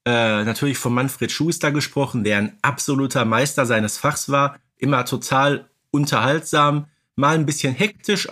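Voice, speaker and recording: A man from North Rhine-Westphalia speaks at a medium pitch. He sounds like a podcast co-host in casual conversation. His way of talking is musing and explanatory. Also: sharp tone. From North Rhine-Westphalia, Germany.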